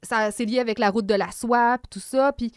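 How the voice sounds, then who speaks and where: A woman's voice: on the high side, fairly even intonation, moderate pace, clean tone, dry recording, studio quality. A woman with a Quebec French accent, co-hosting a casual podcast and explaining things at length with many fillers. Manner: explanatory, talks through detail with fillers. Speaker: podcast co-host. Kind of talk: casual episode recap chat.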